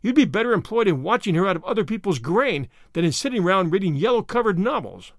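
A man's voice: high-pitched, sing-song, fast, dry recording, studio quality. A man voicing an irate, stout, bald middle-aged farmer who splutters and blusters in an audiobook story. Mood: scathing.

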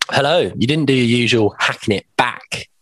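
A man's voice: medium pitch, moderate pace, fairly bright tone, no echo. A man co-hosting a podcast, talking in a rambling, hesitant way with plenty of ums. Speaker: podcast co-host. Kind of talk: casual chat.

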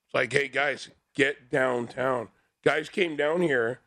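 Gravelly, blunt, fired-up man. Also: medium pitch, takes it slowly, a bit bright, no echo. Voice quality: big voice. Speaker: panel guest. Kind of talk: casual sports talk.

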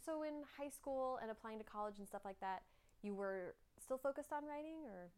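A woman hosting an interview, who thinks out loud and laughs along with her guest. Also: a little high, animated, moderate pace, clear, resonant tone. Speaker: podcast host. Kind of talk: casual interview chat.

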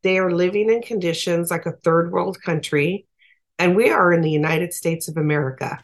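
A woman with a lowish voice answering interview questions as an advocate for farm workers. She talks in an earnest, emphatic, plain-spoken way, pressing her points home. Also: steady tone, moderate pace. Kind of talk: interview guest.

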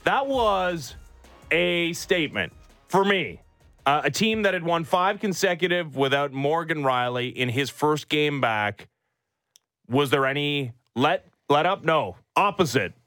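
A man's voice: fairly high pitch, animated, measured pace, a bit bright, dry recording, faint music behind. A man hosting sports talk radio, emphatic and opinionated, close on a studio mic. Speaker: sports radio morning show host. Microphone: close studio microphone.

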